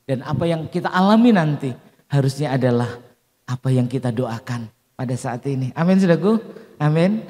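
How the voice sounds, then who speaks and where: Male pastor, warm mellow tone, storytelling sermon, long church hall reverb. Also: medium pitch. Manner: storytelling with acted quotes, calls and amens to the congregation.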